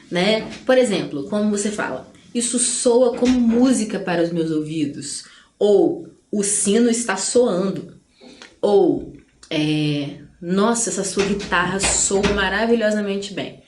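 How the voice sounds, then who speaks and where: A woman's voice: medium pitch, echoey room, a little hiss or hum. A woman from Espírito Santo, Brazil, teaching an exam-prep lesson in a chatty way, with playful asides and many tag questions. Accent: Brazilian Portuguese, Espírito Santo.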